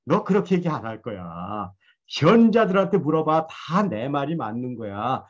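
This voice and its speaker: A man's voice: medium pitch, very animated, moderate pace, dull audio. A man voicing a self-righteous male friend who scolds and lectures in a hectoring way. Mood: lecturing.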